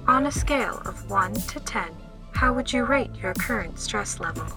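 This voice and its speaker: An actress voicing a female AI therapy assistant that is booting up, speaking in polite, measured, machine-like phrases in an audio drama. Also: a little high, animated, over music. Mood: composed.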